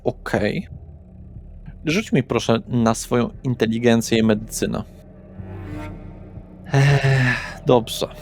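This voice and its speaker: A man's voice: mid-range voice, slow, long pauses. A man running a tabletop horror role-playing session as game master, narrating scenes and talking through rules. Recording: background music under the voice. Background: music.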